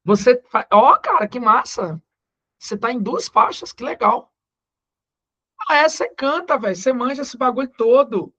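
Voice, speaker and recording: Joking Brazilian physics teacher. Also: male voice, very high-pitched, expressive, pushed and bright. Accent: Brazilian Portuguese. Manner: slangy, joking, slows down to stress key numbers. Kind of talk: recorded classroom lesson.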